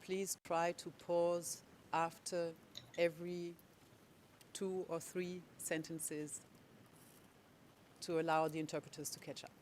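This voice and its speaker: A legal representative speaking in a measured, deliberate way while questioning a witness in court. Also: medium pitch, level tone, a little hiss or hum.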